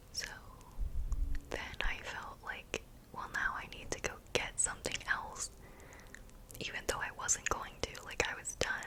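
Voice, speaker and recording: A woman whispers with long, frequent pauses against noticeable background noise. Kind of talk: ASMR ramble about her day, casual talk to camera. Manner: soft-spoken, whispered.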